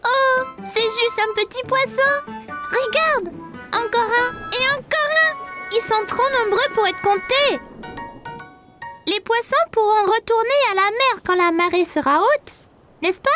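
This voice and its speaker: Brief: very high-pitched, unhurried cartoon boy of four, curious and timid, voiced by an adult, music underneath. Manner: earnest, questioning, easily worried. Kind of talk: cartoon dubbing.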